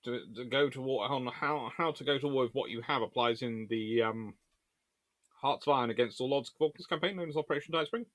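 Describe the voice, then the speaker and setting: A man's voice: mid-range voice, fairly quick, fairly bright tone, dry recording. A man hosting a casual question-and-answer session, rambling and hesitant as he thinks aloud. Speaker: host answering viewer questions.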